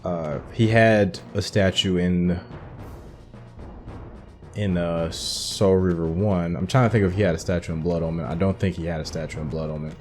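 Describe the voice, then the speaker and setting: A man's voice: low voice, fairly even intonation, moderate pace, a little mellow, faint music behind. A man giving casual commentary on a game playthrough, musing and thinking aloud as he hosts. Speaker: gaming video host.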